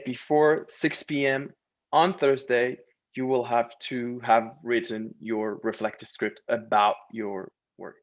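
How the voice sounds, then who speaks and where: A man working as a language coach, presenting a course in a promotional, partly read-out style with short, emphatic phrases. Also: medium pitch.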